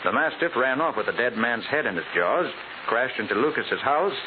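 An actor playing a confident private detective in 1940s radio style, explaining things precisely with an American accent. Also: male voice, mid-range voice, animated, moderate pace, narrow, tinny audio, lightly acted. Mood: assured, explanatory. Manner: precise, expository, authoritative. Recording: hissy, band-limited 1940s radio recording.

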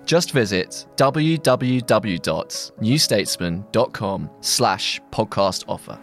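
A man reading a scripted long-form article aloud in a measured, articulate, literary manner. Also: lowish voice, expressive, over music. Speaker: narrator of a long-read magazine article.

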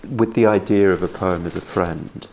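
A man's voice: sits low, moderate pace, darkish tone, a little hiss or hum, rough recording. A man interviewing a guest on a podcast in a conversational style.

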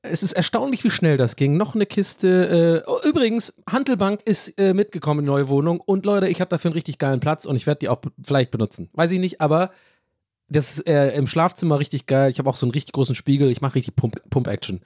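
A man's voice: on the high side, lively intonation, fast talker, darkish tone, no echo, clean studio sound. A man co-hosting a podcast, telling a story in a casual, self-mocking way and laughing often. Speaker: podcast co-host.

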